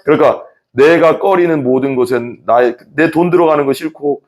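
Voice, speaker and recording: A man's voice: fairly high pitch, normal speed. A man in his thirties preaching a sermon as a pastor, acting out quoted thoughts with laughs. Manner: lively, acts out quoted inner thoughts with laughs.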